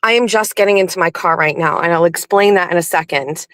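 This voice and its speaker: A woman's voice: lowish voice, a little fast, a bit bright, dry recording. A woman hosting a casual morning show from her car, chatting and laughing with a slightly scratchy, just-woke-up voice, speaking into a phone in a cradle. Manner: chatty, laughing, rambling asides. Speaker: host. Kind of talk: casual morning chat while driving. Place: inside a car.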